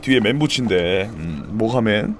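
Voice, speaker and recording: A young man streaming live, chatting casually about dialect words and loudly mimicking regional expressions. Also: on the low side, expressive, measured pace, slight background noise. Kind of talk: casual stream chat, reading viewer comments.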